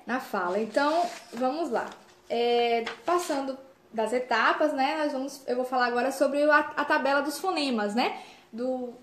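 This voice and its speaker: A woman's voice: on the high side, roomy sound. A woman speech therapist, explaining speech development to parents in a live stream and often checking in with tag questions.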